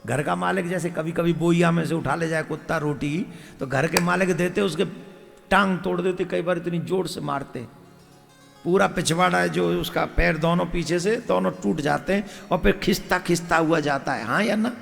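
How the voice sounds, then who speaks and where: Hindu preacher telling stories dramatically, somewhat high gravelly voice, big echoey hall, soft music under it. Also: male voice, moderate pace. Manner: dramatic storytelling that acts out family scenes, quizzing the audience. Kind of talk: devotional discourse. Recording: reverberant hall with faint music.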